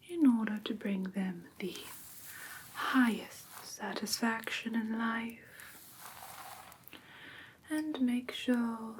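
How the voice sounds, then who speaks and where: A woman voicing a prim, strict vampire teacher in a soft, breathy whisper, formal and precise, for an ASMR roleplay class. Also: on the high side, a little hiss or hum, low-quality recording. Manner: formal, precise, deliberate, theatrically stern. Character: prim, strict female vampire teacher of human pet care. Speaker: ASMR performer.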